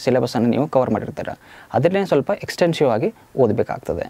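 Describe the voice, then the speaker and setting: The man's tone is dark and mellow, and the sound is dry with no echo. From Belagavi district, northern Karnataka; Karnataka. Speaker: civil servant. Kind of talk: exam preparation advice talk. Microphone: lapel.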